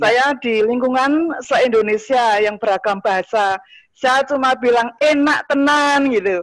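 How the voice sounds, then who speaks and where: Using a strong Javanese accent, a woman speaks at a fairly slow pace with hardly any pauses, her high voice showing ordinary pitch variation and very even loudness. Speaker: seminar participant. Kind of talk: audience question. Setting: online seminar.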